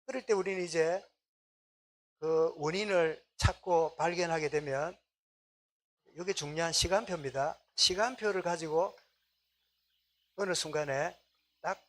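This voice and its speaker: A man's voice: a little high, a little slow, pauses often. A middle-aged man, preaching a conversational sermon as a pastor.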